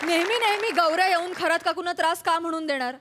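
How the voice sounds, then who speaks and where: A woman's voice: very high-pitched, quick pace, over loud music, a loud crowd. A woman with a Marathi accent introducing a comedy show in an upbeat, scripted announcing voice. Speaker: show presenter.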